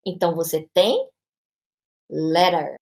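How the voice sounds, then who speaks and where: A woman's voice: deep voice, animated, slow pace, creaky, a little mellow. A woman teacher with a São Paulo interior Brazilian accent walks through a pronunciation lesson. Her tone is explanatory and patient, and she keeps checking in with short tag questions. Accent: São Paulo interior Brazilian Portuguese. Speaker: English teacher.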